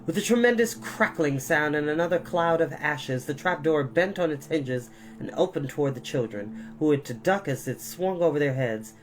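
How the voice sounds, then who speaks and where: A woman reading a children's novel aloud as a storyteller, in a deliberate, dramatic, expressive style. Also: low-pitched, faint music behind, rough recording.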